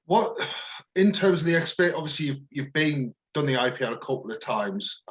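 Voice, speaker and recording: A man's voice: on the high side, expressive, normal speed. Dull-sounding male podcast interviewer. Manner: informal, rambling questions. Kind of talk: casual interview chat.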